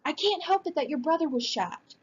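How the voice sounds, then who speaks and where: A defiant schoolboy bully yells and snaps back in a high, strained voice, as a woman reads him aloud. He pushes his lines out loud and hard. The recording sounds a little dull and lo-fi. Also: sing-song, normal speed, a little hiss or hum. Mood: shouting. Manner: yelling, defiant. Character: angry defensive schoolboy bully.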